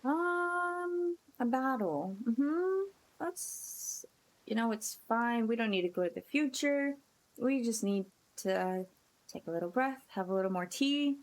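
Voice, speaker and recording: Slow-talking, higher-voiced woman streamer. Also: expressive, rough recording. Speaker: livestreamer. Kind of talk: casual live game commentary and viewer chat.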